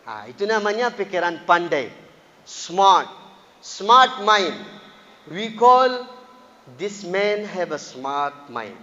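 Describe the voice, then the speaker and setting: A man from an Arab country with an Arabic accent, speaking a second language as he teaches in an earnest, lively mosque sermon. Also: sits high, very slow, long pauses, long reverb tail, highs cut off. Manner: earnest, lively, rising emphatic bursts. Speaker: Quran teacher. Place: mosque hall.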